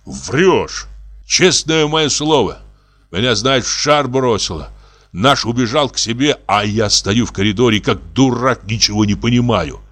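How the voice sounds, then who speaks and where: An audiobook reader gives a classic story a theatrical, expressive reading, swinging his voice up and down for emphasis. His voice is a bit bright and moves at a normal speed.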